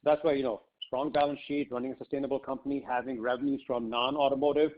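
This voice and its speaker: A man's voice: medium pitch, level tone, quick pace. A man speaking as a company executive, answering questions off the cuff on an investor conference call in a conversational way peppered with "you know". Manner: conversational, often says "you know" and "right". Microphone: conference call line. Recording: slightly muffled conference call audio.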